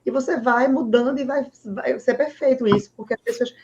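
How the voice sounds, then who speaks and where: A woman's voice: a little high, fairly quick, darkish tone, dull audio. A woman hosting an interview, speaking in an affirming, conversational way. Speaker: host, doctor. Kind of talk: casual interview talk.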